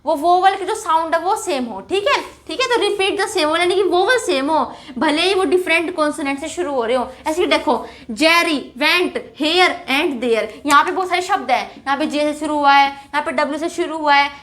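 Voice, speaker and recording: Woman, high voice, chatty grammar teacher, on English lines, frequent check-ins. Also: moderate pace, a bit bright. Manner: chatty, repeats "ठीक है" and rhetorical questions. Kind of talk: casual classroom explanation.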